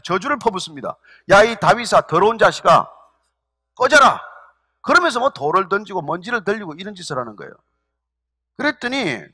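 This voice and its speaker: A middle-aged male pastor giving a sermon, telling a story with animated quoted speech. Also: sits high, dry recording, studio quality.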